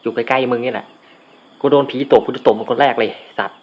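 A man casually commentating his own shooter game from a room at home, with shy mumbled asides that break into loud cursing outbursts. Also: medium pitch, steady tone, fairly quick. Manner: swears and shouts in bursts at the game. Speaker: gamer recording a let's play. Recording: dull lo-fi sound with faint noise.

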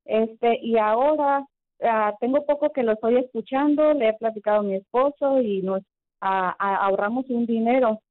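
A woman's voice: a little high, normal speed, no echo. A woman calling into an advice show, speaking hesitantly with many fillers, over a phone line. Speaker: caller.

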